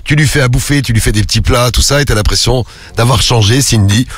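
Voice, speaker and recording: A man's voice: mid-range voice, fast, fairly bright tone, breathy edge, no room sound. A man hosting a live call-in radio show, chatting loosely and joking with his co-hosts and callers, with many fillers.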